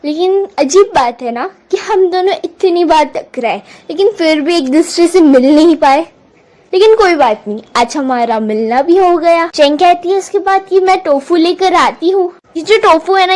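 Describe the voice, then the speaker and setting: High-voiced woman recapping a drama. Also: animated, normal speed, a little mellow, low-quality recording. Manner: retells scenes, quoting characters briefly; mixes English words into speech.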